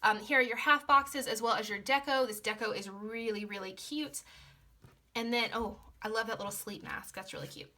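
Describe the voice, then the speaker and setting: A young woman chatting casually through a planner sticker haul, gushing and repeating words, her voice slightly hoarse from being sick. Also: on the high side, fairly even intonation, moderate pace, bright, forceful tone. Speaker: planner vlogger.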